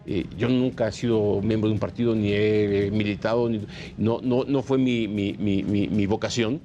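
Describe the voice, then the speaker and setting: A man speaks as a guest on a political discussion panel. He pauses often and stumbles through fillers as he works out his points. A faint hiss of noise sits behind him. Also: lowish voice, steady tone, dark tone, lo-fi sound. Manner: hesitant, many fillers.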